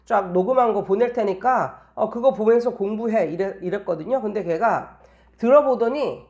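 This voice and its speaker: A woman's voice: medium pitch, moderate pace, a little mellow, lo-fi sound. A woman tutor talking casually in an anecdotal monologue, explaining things and repeating phrases for emphasis. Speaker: private English tutor giving teaching tips.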